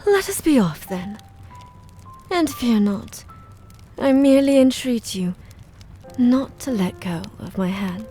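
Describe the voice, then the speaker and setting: Woman as soft, mellow-voiced eerie mansion maid. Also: on the high side, expressive. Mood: courteous, inviting. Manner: formal, archaic, measured servant's speech. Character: pale, eerie, courteous maid of a haunted mansion. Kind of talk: audio drama acting. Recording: music behind the voice.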